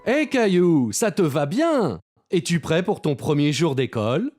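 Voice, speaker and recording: Animated, patient cartoon dad. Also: male voice, fairly high pitch, measured pace. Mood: patient, upbeat. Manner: instructive, friendly. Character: patient, encouraging young father of a preschool boy. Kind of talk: French-dubbed children's cartoon acting. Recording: music behind the voice.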